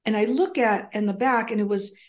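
A woman's voice: mid-range voice, fairly even intonation, brisk. An older woman whose first language is Greek, talking as a guest in a casual interview, rambling with frequent ums and restarts. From United States. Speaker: author and guest.

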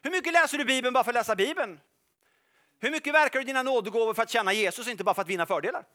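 A middle-aged man preaching a sermon in an animated, jokey way, often checking that his listeners follow along. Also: extremely high pitch. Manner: animated and jokey, asks the audience "are you with me?".

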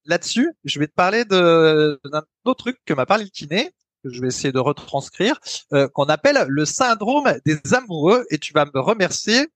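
High-pitched male podcast co-host, chatty, hesitant fillers, dry close sound. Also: big pitch swings, moderate pace, a bit bright, no room sound. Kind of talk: casual podcast chat.

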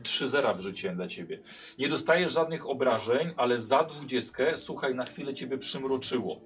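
A mid-pitched man runs a tabletop session as game master. His narration is lively and breaks into urgent shouts at tense moments. Faint music plays underneath. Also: moderate pace.

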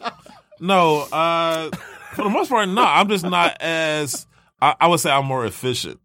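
A man's voice: fairly high pitch, a little slow, sharp tone, a little hiss or hum. A man in his thirties in a casual group chat, rambling and loose, swearing and trailing off mid-thought. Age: 30s.

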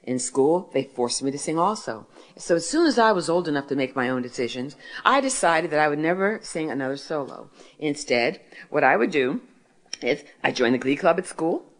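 In her sixties and from Philadelphia, this author and speaker delivers an expressive faith testimony at normal speed before an audience. Her voice is low and deep, and she paces her story warmly, raising questions only to answer them herself.

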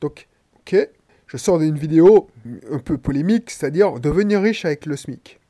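A man's voice: a little high, normal speed, warm tone. A man from Martinique with a head cold, a podcaster and coach talking bluntly and slangily straight to the listener in a casual monologue.

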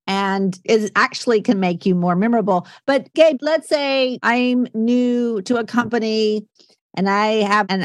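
A woman's voice: medium pitch, dry recording. Enthusiastic woman podcast host, dry sound. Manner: enthusiastic, affirming. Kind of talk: casual interview chat.

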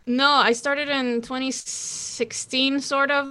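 Bubbly costa rican woman guest, kinda high voice, casual chat. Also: level tone, slow pace, pushed and bright. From Costa Rica. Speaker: guest, Twitch drummer. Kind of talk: casual podcast interview.

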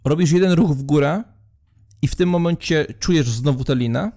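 A man's voice: fairly high pitch, normal speed, warm tone. Man narrating as game master. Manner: descriptive, second-person narration with small hesitations. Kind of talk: narrating a tabletop role-playing game.

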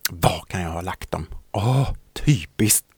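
A man's voice: low-pitched, expressive, a little mellow, husky, dry recording, pitched below the performer's own voice, full character voice. Man doing a muttering, forgetful dad. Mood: fretful. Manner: muttering, grumbling. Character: forgetful father muttering to himself.

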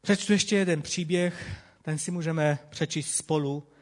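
A man preaching a sermon and reading scripture, earnest and emphatic, often repeating words for stress. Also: fairly high pitch. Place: church or community hall.

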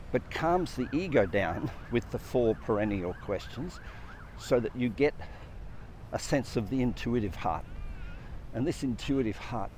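With a darkish, medium-pitched voice, this man offers an earnest, reflective spiritual talk about the soul and purpose, speaking as someone focused on personal growth. His phrasing is repetitive, one question or phrase following another in lists. Soft traffic noise hums in the background.

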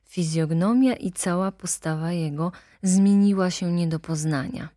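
A woman reading a classic novel aloud in slow, measured scripted narration. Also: fairly low pitch, dark tone, dry recording, studio quality. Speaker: audiobook reader.

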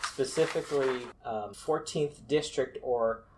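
A man's voice: medium pitch, measured pace, background noise. A man with a mid-range voice co-hosting a podcast, laughing easily and winding up stories with eager energy. He sounds casual, chatty and amused. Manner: laughs often, enthusiastic storyteller. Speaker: podcast co-host.

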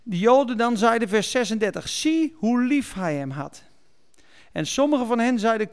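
A preacher with a high voice and noticeable vocal fry reads Bible passages aloud. He explains each one and corrects little slips while speaking.

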